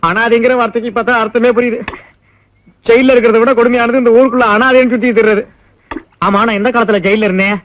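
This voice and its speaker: A man's voice: very high-pitched, flat delivery, quick pace, fairly bright tone. An actor playing a timid, idle village man who jokes and pities himself in wry, self-mocking banter, in a dull film recording with music behind. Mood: self-pitying. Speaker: comic lead actor. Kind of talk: 1990s film dialogue.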